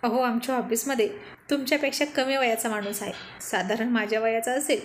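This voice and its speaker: Brief: woman narrator doing a coaxing young wife, fairly high voice, faint hiss behind. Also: fairly even intonation, brisk, close to an everyday voice. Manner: teasing, coaxing. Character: playful affectionate young wife.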